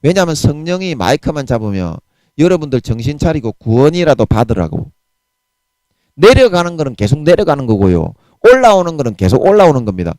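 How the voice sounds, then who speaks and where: A man's voice: fairly high pitch, sing-song, a little fast, darkish tone, dry recording. A man in his forties with a Gyeongsang Korean accent, preaching a sermon in a fiery, blunt way laced with harsh curses. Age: 40s.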